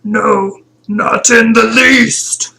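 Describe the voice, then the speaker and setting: An aristocratic ice queen for a visual novel game, with an extremely gravelly, harsh grunge rasp. She drags every word out slowly and forcefully at a high pitch, wistful under the strain. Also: fairly even intonation, exaggerated voice. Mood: resigned. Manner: slow, drawn-out, loud delivery. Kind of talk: hammy visual novel character read-aloud.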